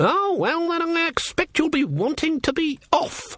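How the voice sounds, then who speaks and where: High in pitch and at a moderate pace, a put-on character voice. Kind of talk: sarcastic, pointedly polite. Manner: sharp, cold, cutting.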